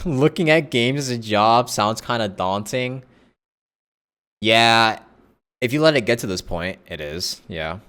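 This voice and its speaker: A man's voice: mid-range voice, animated, a little slow, fairly bright tone, clean tone. A man chatting casually as a live streamer, rambling and thinking aloud as he corrects himself. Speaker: live streamer and content creator. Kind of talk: casual livestream chat with viewers. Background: background music.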